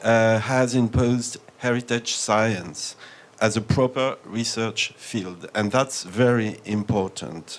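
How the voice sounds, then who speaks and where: A strong French accent at a fairly slow pace. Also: man. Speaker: research initiative chair. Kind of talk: panel presentation.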